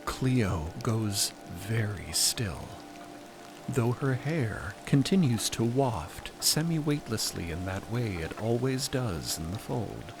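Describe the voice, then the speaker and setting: Slow, deep-voiced male storyteller. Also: expressive, music in the background, poor audio. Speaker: narrator. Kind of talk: dramatic scripted storytelling narration.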